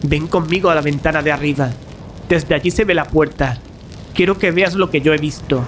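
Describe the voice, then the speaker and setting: An actor playing an earnest young gentleman haunted by horror, intense and dramatic, in an audio drama. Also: on the high side, a little fast, a little hiss or hum, lightly acted. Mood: shaken.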